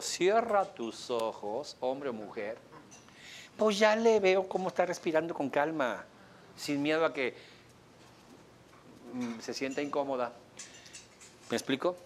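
Man, coaching instructor, workshop lecture, animated, acts out client lines, middle pitch, faint background noise. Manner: asks the audience questions.

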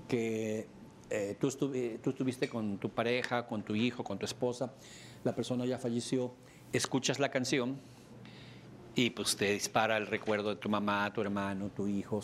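A middle-aged man with a Mexican Spanish accent, lecturing a class in a joking, animated way with sudden high exclamations. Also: moderate pace, a little hiss or hum. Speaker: instructor.

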